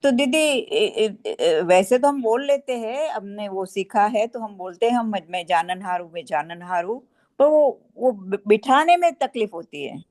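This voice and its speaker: A woman student in a spiritual discussion, asking hesitant, halting questions. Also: fairly high pitch, lively intonation, darkish tone.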